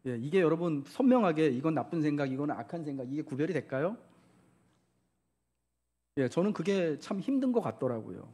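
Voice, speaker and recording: A man's voice: a little high, sing-song, a little fast, pauses often, warm tone, slightly rough. A man preaching a Sunday sermon as pastor, asking the congregation questions and acting out quotes.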